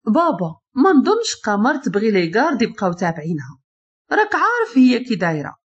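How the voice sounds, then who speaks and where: A woman's voice: on the high side, wildly swooping pitch, quick pace, slightly rough, lo-fi sound, heavily acted. A woman doing a jealous whiny Moroccan sister. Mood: whiny, sarcastic. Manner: whiny, sarcastic. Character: jealous spoiled younger sister.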